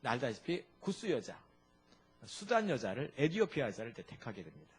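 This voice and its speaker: A male pastor delivering a sermon, asking his congregation frequent rhetorical questions in an animated preaching manner. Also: mid-range voice, fairly quick, slightly rough, faint music behind.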